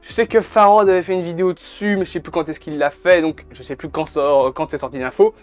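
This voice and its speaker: A man's voice: a little high, fairly even intonation, fairly quick. A man, chatting casually and bluntly to camera, swearing now and then. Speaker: YouTuber. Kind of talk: casual video commentary. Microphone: camera mic. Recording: faint background music.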